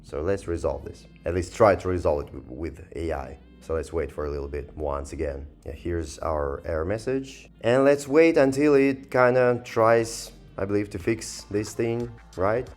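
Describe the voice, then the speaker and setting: Man, deep voice, casual screen-recording commentary, rambling, hesitant, dry sarcasm, music in the background. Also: normal speed, hardly any pauses, darkish tone. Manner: rambling, hesitant, thinking aloud. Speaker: software reviewer.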